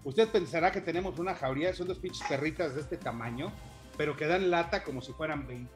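A man's voice: on the high side, soft background music. Slangy Mexican man, chatty co-host. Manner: slangy, rambling, many filler pauses. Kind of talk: casual political gossip chat.

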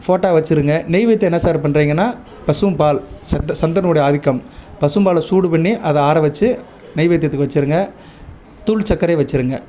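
A man with a Tamil accent giving devotional advice to viewers, measured and instructive, stopping often to check that listeners follow. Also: on the high side. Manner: chants mantras and praise lists in a steady recitation. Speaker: astrologer.

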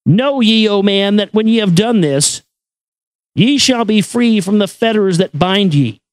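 A man giving a solemn, measured reading of an esoteric text in an incantatory, deliberate manner. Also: sits high, expressive, dry recording. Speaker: reader and commentator. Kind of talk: solemn recitation of an esoteric text with brief asides.

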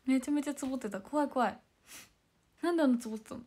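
Young woman on a livestream, high bubbly voice, giggly chatter with fans. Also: warm tone. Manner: bubbly, giggly, quick to laugh. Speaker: idol livestreamer. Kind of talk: casual livestream chat with viewers.

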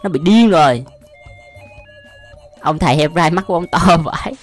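A young man with a Southern Vietnamese accent hosts a video, giving casual, slangy reaction commentary full of exclamations and laughter. His voice is on the high side, at a moderate pace, with faint music in the background.

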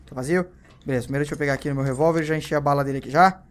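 A young man with a Brazilian accent commentating his gameplay, who swears constantly and yelps and shouts whenever he is startled. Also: a little high, fairly even intonation, rapid-fire. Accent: Brazilian Portuguese. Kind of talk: let's play commentary.

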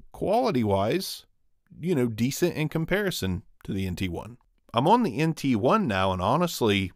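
A man in his forties reviewing a microphone in a casual, upbeat way, talking close into a studio condenser in a small home studio. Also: no echo. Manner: upbeat, conversational, frequent pitch jumps when emphasizing. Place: small dark studio room with guitars. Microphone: studio condenser on boom, close.

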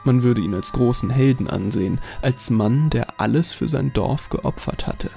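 A man narrating a scripted horror story in a calm, measured way. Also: mid-range voice, creaky. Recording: voice over faint music.

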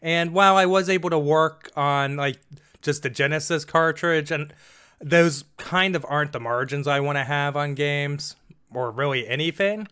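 A man's voice: on the high side, normal speed, pushed and bright, clean tone. A man in his thirties chatting casually to camera about his finds, rambling with fillers, recorded on a studio mic in a small room. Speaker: reseller vlogger. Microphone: studio mic in front.

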